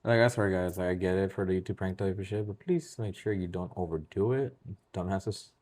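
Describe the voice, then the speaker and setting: Deep, hoarse man, casual chat. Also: fairly quick, a little mellow. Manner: loose and profane, peppered with Spanish phrases. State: hoarse, voice worn from singing.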